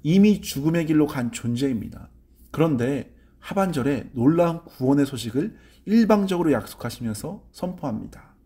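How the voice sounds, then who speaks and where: A man, a pastor, giving an early-morning sermon in an earnest, measured way, asking rhetorical questions. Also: on the high side, animated, dark tone, slightly rough.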